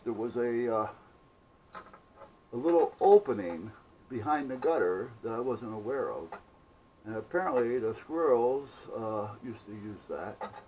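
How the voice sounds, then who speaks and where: A man's voice: medium pitch, mellow, a little hiss or hum, rough recording. A man talking in a casual, rambling, folksy way, like a DIY vlogger telling a story. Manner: folksy, salty-tongued, conversational.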